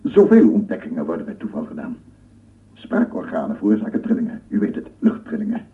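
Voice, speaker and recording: Phone-like old radio play, fervent scientist, formal lecturing, rhetorical repetition, very animated pitch, slightly off-mic. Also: male voice, a little fast, far from the mic, heavily acted. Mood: intent, precise. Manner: formal, rhetorical, repeats phrases. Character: obsessive male scientist lecturing on sounds, fervent, wondering. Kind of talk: radio drama lecture monologue.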